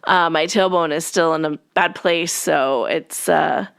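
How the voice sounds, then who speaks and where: A young woman hosts her podcast in a rambling, friendly chat full of "like"s and asides. Her voice is smooth and clear but a touch stuffy from allergies. The recording is close and dry, with no room sound. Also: deep voice, unhurried, fairly bright tone, no room sound. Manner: rambling, filler-heavy, friendly. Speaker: podcast host. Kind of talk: casual chatty podcast talk.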